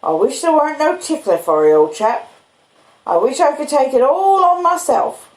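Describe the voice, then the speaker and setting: A kindly, unlettered blacksmith from a storybook, acted out by a woman. He speaks in gentle rustic dialect, humble and apologetic. The pitch is lifted and swooping, in an echoey room. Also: lively intonation, moderate pace. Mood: tender, apologetic. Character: kindly, humble working-class English blacksmith, a grown man.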